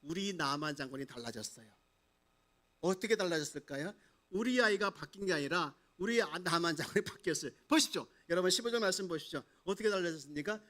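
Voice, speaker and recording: Male pastor, sermon, high voice, quizzes the congregation, dramatizes the story. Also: lively intonation, quick pace, bright, forceful tone.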